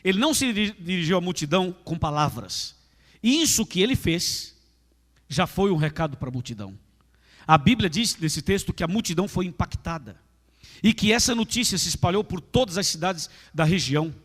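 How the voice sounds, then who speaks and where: Male pastor, Brazilian Portuguese accent, high voice, emphatic sermon, long church reverb. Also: expressive, a little fast, a bit bright. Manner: emphatic, repetitive preaching, addresses listeners directly. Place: large church with a gallery. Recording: echoey church hall.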